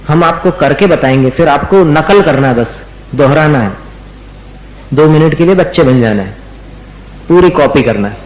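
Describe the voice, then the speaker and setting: A man's voice: on the high side, reverberant, rough recording. A man giving a religious lesson on recitation, patiently drawing out words so listeners can copy them. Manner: patient, repeats words slowly for students to copy. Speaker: religious teacher.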